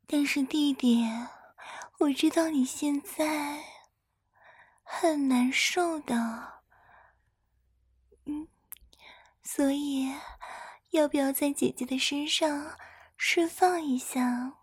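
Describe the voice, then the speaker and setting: Woman, high voice, slow, breathy whispering, coaxing, close mic, intimate roleplay. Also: no room sound. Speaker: roleplay performer voicing an older-sister persona.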